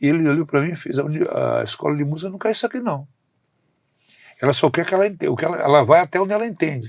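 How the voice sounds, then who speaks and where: A man with a fairly high pitch, very fast pace, lively intonation and long, frequent pauses. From Bahia, Brazil (Santo Amaro). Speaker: musician. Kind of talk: interview. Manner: halting.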